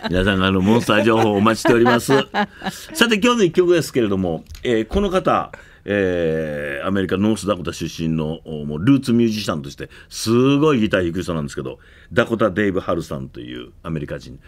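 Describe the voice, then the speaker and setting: A middle-aged man with a Kansai accent, chatting casually as a radio host and telling stories in an animated way. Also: deep voice, quick pace. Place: radio studio.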